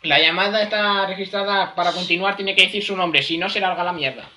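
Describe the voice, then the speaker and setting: A man's voice: high voice, brisk, pushed and bright. A young man with an accent from Spain, clowning and mocking in joking phone banter. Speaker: YouTube gamer.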